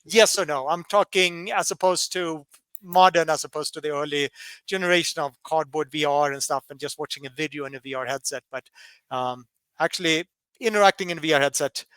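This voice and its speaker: A man from Colorado presenting a workshop webinar, halting with many fillers and restarts. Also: fairly high pitch, fairly bright tone, smooth, dry recording, poor audio.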